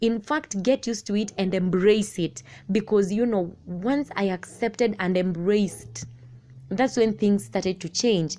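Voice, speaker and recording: A woman with a Kenyan accent, a dark, mellow tone, medium pitch with ordinary variation and a fairly slow pace. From Kenya, Machakos County. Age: young. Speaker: radio and TV presenter. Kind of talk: testimony.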